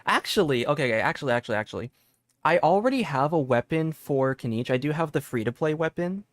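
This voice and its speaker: A man's voice: a little high, quick pace, dry recording. Dry-sounding young man streaming games. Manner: excitable, rambling, repeats words. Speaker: game streamer. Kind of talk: casual live gameplay commentary. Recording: dry close sound with game music.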